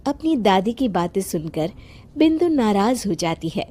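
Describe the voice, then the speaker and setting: A woman's voice: mid-range voice, big pitch swings, a little slow, warm tone. A woman narrating a cartoon moral story in a lilting storytelling manner.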